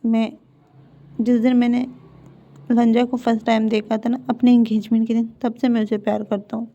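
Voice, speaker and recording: A woman's voice: a little high, level tone, moderate pace, warm tone, natural voice. A woman voicing an anxious young man who stammers and pleads, in a dull lo-fi recording. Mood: pleading.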